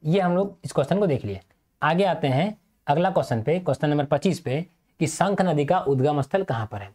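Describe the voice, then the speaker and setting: A man's voice: fairly high pitch, expressive, a little fast, a little mellow. A male teacher giving an exam-prep lecture, asking and answering his own questions and repeating key points so students remember them.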